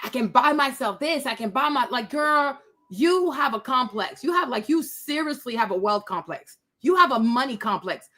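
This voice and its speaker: A woman giving casual reaction commentary in a blunt, scolding, animated way, repeating phrases for emphasis. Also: high-pitched. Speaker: host commentator.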